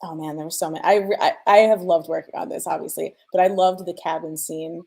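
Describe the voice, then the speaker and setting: A woman with a fairly low voice and a heavy creak in it. She speaks casually and informally, like a sound designer on a panel who enjoys talking through the work. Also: steady tone, fast, darkish tone. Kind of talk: casual conference panel talk.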